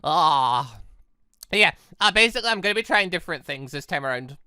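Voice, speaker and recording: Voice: medium pitch, animated, fairly quick, sharp tone, smooth, dry recording, studio quality. A gaming YouTuber giving casual, rambling let's play commentary in a chatty way.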